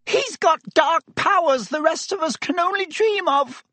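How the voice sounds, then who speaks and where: A man voicing a cowardly, panicky traitor in an audiobook, with a shrill, breathless, pleading voice. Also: expressive, a little slow, pushed and bright, no echo, heavily acted. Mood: defensive panic. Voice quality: shrill, squeaky. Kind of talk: audiobook character acting.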